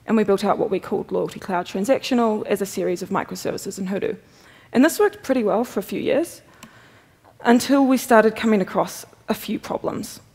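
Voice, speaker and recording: A young woman with a New Zealand accent giving a quick, chatty technical conference talk with self-deprecating humor at a podium. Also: mid-range voice, creaky, darkish tone, slightly rough. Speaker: conference speaker, software developer. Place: large conference hall, at a podium. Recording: long reverb of a big hall.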